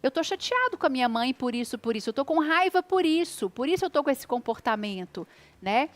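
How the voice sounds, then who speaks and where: A woman in her thirties speaks as a guest expert on a radio talk show, with a voice sitting a little high. She explains patiently and slips into a gentle tone when she acts out what to say to a child. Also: big pitch swings, fairly quick.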